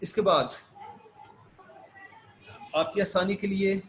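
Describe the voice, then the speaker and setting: Slow-explaining male lecturer. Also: on the high side, slight background noise, rough recording. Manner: slow, explanatory, reads English passages very slowly. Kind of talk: online lecture explaining notes. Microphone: screen-share recording.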